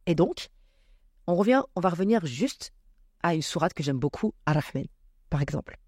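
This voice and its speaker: A woman speaking as a podcast guest, reflecting on spiritual matters with many pauses and fillers. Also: lowish voice, lively intonation, darkish tone, husky, no room sound, clean studio sound.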